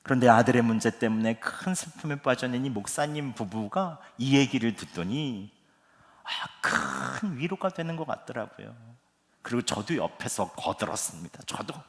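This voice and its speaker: Middle-aged guy pastor telling a story in his sermon, really lively voice, big echoey church. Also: mid-range voice, normal speed. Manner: animated storytelling that acts out quoted speech. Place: church sanctuary. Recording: long reverb of a church hall.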